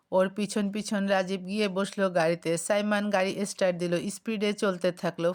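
Smooth-voiced woman narrating a romance story. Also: mid-range voice. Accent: Bengali. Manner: dramatic, vivid storytelling.

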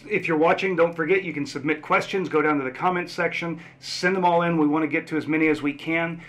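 A middle-aged man interviews a guest in a conversational style. His voice sits fairly high for a man and he talks quickly, speaking into a tabletop microphone. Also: fairly even intonation, a bit bright. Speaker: host interviewer. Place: small indoor office set. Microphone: desktop microphone shared at a table.

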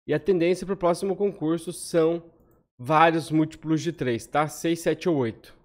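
A Brazilian man in his thirties talks through lottery number trends as he scrolls a spreadsheet. His voice sits a touch high and his delivery is quick and chatty. He keeps checking in with the viewer through little tag questions. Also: steady tone. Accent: Brazilian Portuguese. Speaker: lottery analysis host. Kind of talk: casual spreadsheet walkthrough. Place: home room, on webcam over screen share.

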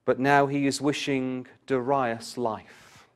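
A man's voice: medium pitch, level tone, slow pace, clean tone. A man giving a Bible study talk, reading scripture aloud with rising emphasis and turning to the listeners with direct questions. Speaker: Bible class speaker.

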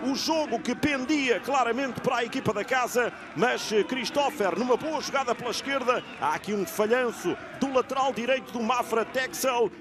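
A man with a European Portuguese accent giving fast, dramatic, excited football commentary over stadium ambience. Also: very high voice, noisy background. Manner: excited, emphatic play-by-play calls. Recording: loud stadium ambience behind the voice.

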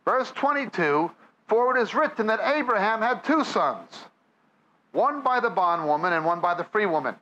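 A man's voice: sits high, big pitch swings, moderate pace, pushed and bright, muffled recording. A man with a New York accent preaching a sermon, reading scripture aloud and then explaining it to a live audience. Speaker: Bible teacher. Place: church or meeting hall with audience.

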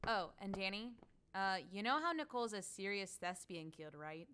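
A woman acting a bitter, sarcastic high school girl who plays the nurse, in a comedic audio drama. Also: expressive, normal speed, background noise, lightly acted. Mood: wry, wary. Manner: dry, sarcastic. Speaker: actor.

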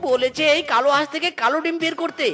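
A man voicing an excitable, boastful fox in a cartoon who is desperate to marry. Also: very high-pitched, quick pace, faint music behind. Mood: panicked. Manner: sings, shouts and swears playfully. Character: lovesick male fox matchmaker, boastful and excitable. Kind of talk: cartoon voice acting.

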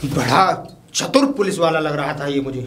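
A man's voice: fairly high pitch, normal speed, a bit bright, slight background noise. A man acting a scheming fake holy man who steals a child in a village crime drama, with a sly, sing-song chanting manner. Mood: relieved. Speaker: fake baba. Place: outdoors in a village.

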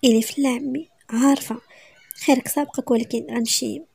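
Brief: woman playing a desperate young wife back from presumed death, storybook reading, pitched up, hoarse-edged, fast. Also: steady tone, a little mellow, dry recording, studio quality, exaggerated voice. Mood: desperate pleading. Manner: pleading, tearful, urgent.

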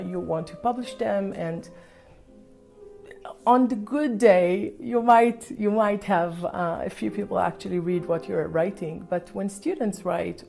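A woman's voice: on the low side, creaky, mellow. A woman academic answering thoughtfully in an interview, with many fillers, in a library room.

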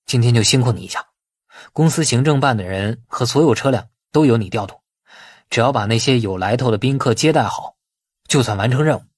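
A man voicing a shrewd, bossy man who gives orders in a brisk, casual, persuasive way in an audiobook. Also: medium pitch, husky, dry recording, clean studio sound, lightly acted. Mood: businesslike.

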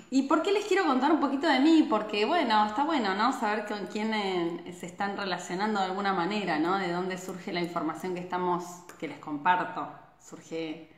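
A woman in her thirties from Argentina, with an Argentine Spanish accent and a fairly low pitch, hosts a casual live stream. She's chatty, throws in frequent tag questions and gestures animatedly with her hands. She's filmed on a phone camera at arm's length in a small, echoey indoor room.

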